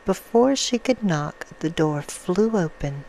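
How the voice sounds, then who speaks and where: Slow, low-voiced woman playing a vampire storyteller. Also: expressive, a little mellow, a little hiss or hum, rough recording. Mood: soft, storytelling. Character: female vampire reading a soft bedtime story. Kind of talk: ASMR roleplay storytelling.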